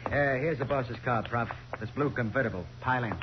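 Man acting a gruff gangster driver, curt, slangy, impatient, mid-pitched, muffled noisy old radio drama. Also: a little fast, lightly acted. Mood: coaxing, curt.

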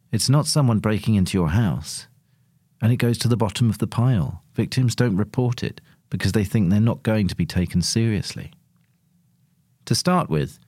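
A man narrates a written feature from a script. His voice sits low in pitch, and the recording is dry, with hardly any room around it. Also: a little mellow, no echo. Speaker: narrator reading a long-form article.

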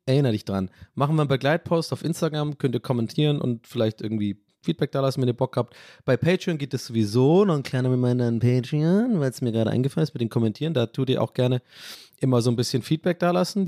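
A man's voice: medium pitch, warm tone, dry recording, studio quality. A young man hosting a casual solo podcast, rambling and ranting with casual swearing. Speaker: podcast host.

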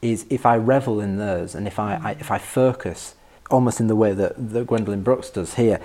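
Thoughtful, halting man with a lowish voice. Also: mellow. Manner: thoughtful, halting, repeats words as he searches. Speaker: podcast guest discussing a favourite poem. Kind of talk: reflective personal conversation. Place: in-person conversation at an institute.

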